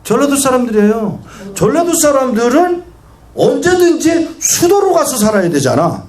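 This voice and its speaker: A visiting male pastor with a very high-pitched voice preaches at a moderate pace, weaving stories and quizzing the congregation in animated fashion. The sound is echoey, as in a hall, with faint noise.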